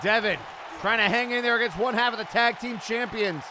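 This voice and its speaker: A man giving live play-by-play wrestling commentary with excited, exclamatory calls. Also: very high voice, brisk. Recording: noisy event audio with loud crowd. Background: crowd and arena noise.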